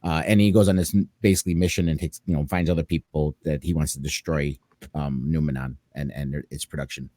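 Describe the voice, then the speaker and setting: A man's voice: very deep voice, fairly even intonation, fast talker, warm tone, no echo. A man on a casual podcast, rambling through a story idea with frequent restarts. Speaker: podcast co-host. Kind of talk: casual chat.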